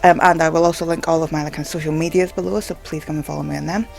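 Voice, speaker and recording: Very fast and gravelly, this medium-pitched voice keeps a level tone while faint music plays behind. A video blogger with a stammer talks to camera in a casual, rambling, hesitant way, often saying "like."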